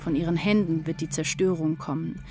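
A woman's voice: deep voice, steady tone, a little fast, dark tone, soft background music. An actress playing an anguished woman writer in a literary radio drama, intense and introspective in a poetic delivery. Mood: desolate. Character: anguished, brooding woman writer losing her sense of self.

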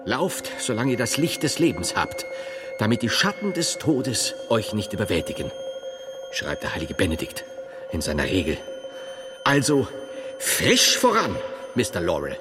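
A man playing a devout, self-assured medieval monk and philosopher in a theatrical drama, declaiming deliberately with scholarly emphasis. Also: lowish voice, sing-song, long reverb tail, over music. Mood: fervent, resolute. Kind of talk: theatrical German dialogue drama.

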